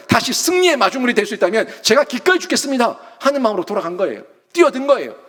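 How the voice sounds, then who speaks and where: A male pastor preaches emphatically in a high voice whose pitch swings widely, stay animated from start to finish. He repeatedly fires rhetorical questions at the congregation.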